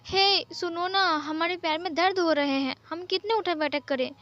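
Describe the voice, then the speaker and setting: Woman reading a flustered hothead of a young man, high voice, stammering bursts, dull lo-fi sound, faint music. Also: fairly even intonation, fairly bright tone. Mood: pleading. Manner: quick, stammering outbursts. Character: young man, hot-headed, flustered, childish.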